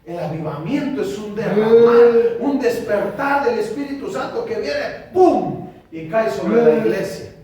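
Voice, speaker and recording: A Mexican pastor preaches with a very high voice and animated delivery, slipping into other voices to act out conversations. He is picked up from a distance in a strongly echoing church hall, with faint noise in the background. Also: a little slow. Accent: Mexican Spanish. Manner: animated preaching, acts out dialogues with shifting voices. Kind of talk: sermon. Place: church sanctuary.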